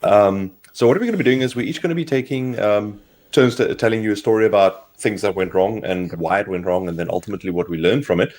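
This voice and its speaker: A man co-hosting a casual tech livestream, hoarse from a cold, explaining things in a rambling way with lots of fillers. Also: lowish voice, fast talker, a little mellow. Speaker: co-host.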